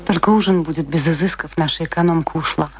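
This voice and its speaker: An actress in a radio play playing a long-married older wife and hostess with a dry, teasing manner. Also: female voice, sits low, fast, soft background music, natural voice. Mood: gracious.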